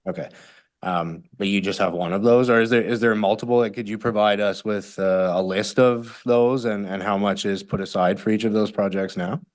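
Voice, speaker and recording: A man's voice: fairly low pitch, fairly even intonation, normal speed. A man city councillor questioning staff at a committee meeting, probing and asking for clarification.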